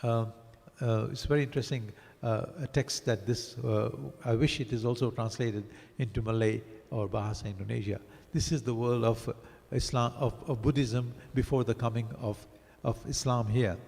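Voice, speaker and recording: A man born in Africa reviewing a book as a lecture, halting with many fillers and restarts. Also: mid-range voice, fairly even intonation, vocal fry, a little mellow. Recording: long hall reverb.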